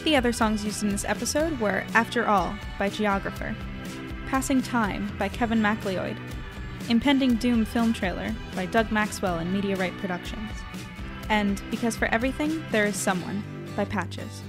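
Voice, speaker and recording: A woman's voice: medium pitch, moderate pace, over music. A woman, the podcast's creator, reading scripted end credits.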